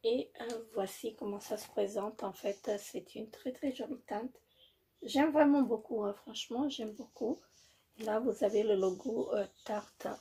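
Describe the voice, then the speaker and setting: A woman's voice: on the high side, a little slow, mellow, husky. A woman vlogger presenting a makeup haul in a casual, hesitant way, full of fillers and repeated praise. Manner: hesitant, many fillers, repeats "très joli"; apologizes for her English. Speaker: beauty vlogger.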